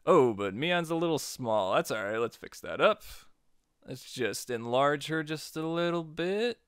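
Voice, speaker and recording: A man narrating a software tutorial in a chatty, informal way, guiding step by step. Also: fairly high pitch, lively intonation, unhurried, clean tone, no room sound, clean studio sound. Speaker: tutorial host.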